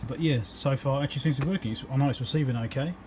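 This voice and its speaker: An electronics repairer with a New Zealand accent talks rapid-fire through his work at an indoor bench, keeping it casual, unscripted and matter-of-fact. His voice is medium in pitch with a darkish tone, and slight background noise is present.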